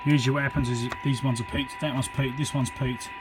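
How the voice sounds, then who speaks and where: A man's voice: mid-range voice, level tone, fast, noisy background. Man muttering through a bench repair. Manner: thinks aloud with many ums, counts into the mic. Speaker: electronics repair presenter. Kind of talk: casual workbench commentary while repairing. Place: home workbench indoors.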